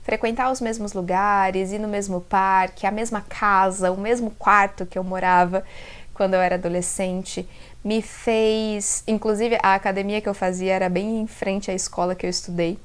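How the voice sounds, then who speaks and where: A woman in her thirties from the interior of São Paulo state, with its inland accent, talking to her viewers in a casual, expressive vlog. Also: medium pitch, normal speed, clean tone. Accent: interior São Paulo (caipira r). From interior of São Paulo state, Brazil. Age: 30s. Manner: conversational and expressive, often addresses viewers directly. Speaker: self-leadership content creator. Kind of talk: casual reflective vlog to camera.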